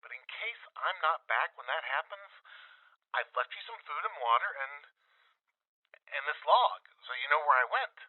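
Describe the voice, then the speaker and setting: A man acting in an audio drama as a grieving but hopeful father leaving audio logs in a wasteland, halting and tender, through a lo-fi recorder filter. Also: fairly high pitch, expressive, dry recording. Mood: fragile hope. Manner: halting, tender, sometimes dropping to a whisper. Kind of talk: full-cast audio drama, in-world audio log. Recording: tinny band-limited log recording.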